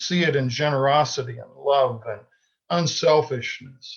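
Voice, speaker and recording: A man's somewhat breathy voice at a fairly slow pace with fairly even intonation. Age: 70s. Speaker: lay speaker at a church service. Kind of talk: sermon.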